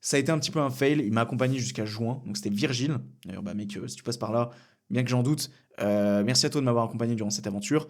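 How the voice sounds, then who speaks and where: A young Frenchman with a French accent hosts a casual solo podcast from a small room at home. He talks fast in a mid-range voice, rambling with plenty of fillers, restarts and the occasional curse word.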